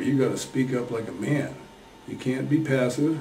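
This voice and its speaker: A man speaks at a fairly slow pace. Audible room echo and light background noise surround his voice. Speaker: dating coach. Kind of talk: interview answer. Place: home room.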